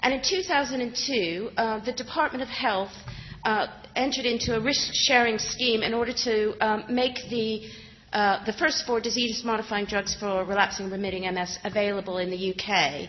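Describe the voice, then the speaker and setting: A woman's fairly high voice with an American accent, at a moderate pace with ordinary pitch variation, amid noticeable background noise. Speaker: nurse and charity director. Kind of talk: conference talk. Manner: hesitant with many fillers.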